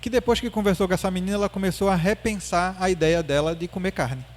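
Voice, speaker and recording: A man giving a public spiritist lecture, retelling a story in an animated way and checking in with the audience. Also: high voice, fast. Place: spiritist center hall.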